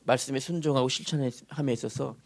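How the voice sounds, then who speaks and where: A male pastor preaching a sermon in a church sanctuary, animated and often asking the congregation questions. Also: mid-range voice, a little fast, vocal fry.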